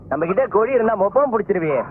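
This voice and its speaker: A man's voice: sits high, very animated, brisk. An actor playing a cheeky village puncture-shop man who teases and quizzes, mixing in Hindi words. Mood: joking. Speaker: bicycle puncture repairman. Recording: tinny old film soundtrack, faint hiss.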